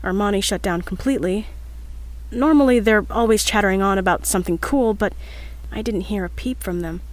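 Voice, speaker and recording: Actress doing earnest young woman scientist, audio drama log, medium pitch, reflective n a bit hesitant. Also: a little fast, natural voice, poor audio. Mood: somber, reflective. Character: earnest, determined young woman scientist logging news of her crew.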